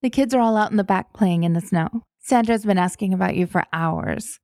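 A woman voicing an excited, bubbly young woman who fusses over her brother's partner. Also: medium pitch, brisk, no echo, clean studio sound, close to an everyday voice. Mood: reassuring. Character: bubbly young woman, fussy older sister. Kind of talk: audiobook reading of fan fiction.

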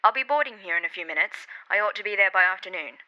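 A woman voicing a brisk worried father. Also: medium pitch, expressive, bright, forceful tone. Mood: urgent. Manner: clipped, urgent and protective. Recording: dull lo-fi recording.

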